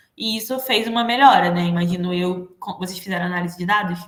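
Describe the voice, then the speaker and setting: A woman talks at a fairly quick pace. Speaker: trainer at a student organization. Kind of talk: training session. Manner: fast.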